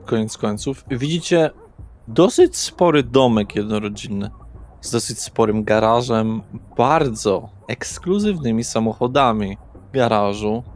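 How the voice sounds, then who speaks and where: A man's voice: lowish voice, a little mellow. A man narrating a tabletop audio roleplay as game master.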